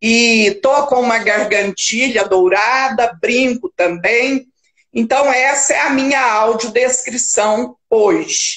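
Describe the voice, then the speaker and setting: A woman's high-pitched voice, very slow and very even in loudness. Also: ordinary pitch variation. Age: 60s. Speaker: retired teacher, braille library volunteer. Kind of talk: interview on a live show.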